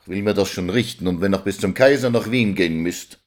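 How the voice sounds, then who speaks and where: A man voicing a distraught Jewish village mother who laments loudly over her child's honor. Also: fairly quick, natural voice. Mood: defiant. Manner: lamenting, high and insistent.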